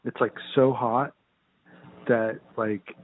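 A man's voice: mid-range voice, flat delivery, takes it slowly. A man in casual chat, telling stories in a sarcastic, profane way full of fillers. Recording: tinny phone-like sound.

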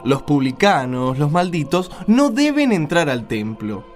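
An actor playing a pompous, contemptuous, pious Pharisee husband in a radio play, preachy and condescending. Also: male voice, on the high side, big pitch swings, a little slow, soft background music. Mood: indignant.

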